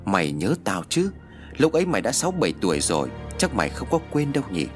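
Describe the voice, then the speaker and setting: A man's voice: on the low side, wildly swooping pitch, fast talker, soft background music. Man voicing a gloating vengeful village woman. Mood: taunting. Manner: gloating, taunting.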